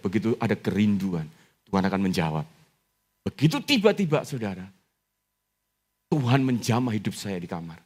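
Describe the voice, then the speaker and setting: Middle-aged pastor with surging, shouted peaks. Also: male voice. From Indonesia. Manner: swings from low murmurs to high, shouted climaxes, repeating "saudara"; personal testimony told in a conversational tone. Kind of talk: sermon.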